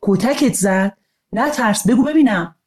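A woman's voice: medium pitch, animated, darkish tone, voice pushed up, lightly acted. A woman voicing a stern, scolding male school principal in an audio storybook over guitar music.

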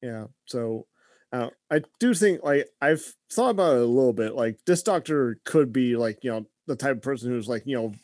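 Man co-host, mid pitch, hesitant filler-heavy talker, dry recording. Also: lively intonation, moderate pace, darkish tone, no room sound. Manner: hesitant, lots of "like" and "you know". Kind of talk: casual brainstorming chat.

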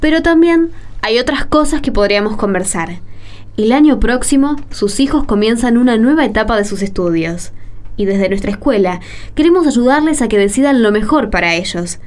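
A woman with an Argentine accent playing a patient, encouraging schoolteacher in a radio drama, speaking politely and in measured explanations. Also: a little high, lively intonation, a little mellow, close to an everyday voice. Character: patient, encouraging woman seventh-grade schoolteacher leading parents' meeting.

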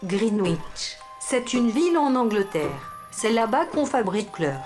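A woman's voice: a little high, very animated, measured pace, music in the background. A synthetic female voice playing a nostalgic, earnest talking-clock announcer in a scripted comic dialogue. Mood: nostalgic, proud. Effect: text-to-speech voice.

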